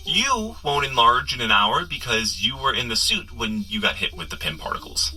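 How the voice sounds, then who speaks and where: A man's voice: mid-range voice, animated, moderate pace, bright, forceful tone, soft background music, low-quality recording. A man playing a flustered, wisecracking superhero who rambles sheepishly as he coaches a runner in a comedic audio drama. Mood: encouraging. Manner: rambling, sheepish, nervously joking asides. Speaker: character guide in an audio running adventure.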